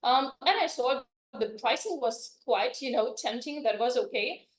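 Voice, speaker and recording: A woman's voice: a little high, animated, moderate pace. A woman from Lithuania, a native Lithuanian speaker and language educator, giving a chatty, informal conference talk full of "you know" fillers. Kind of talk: conference presentation. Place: conference room. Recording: echoey conference room.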